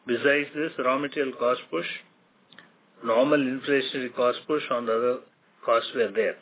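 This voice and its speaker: A man with an Indian accent formally reads out company results as an executive, in a measured, factual way, figure by figure. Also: medium pitch. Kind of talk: formal scripted earnings presentation. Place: conference call over a phone line. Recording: tinny phone line with clear noise.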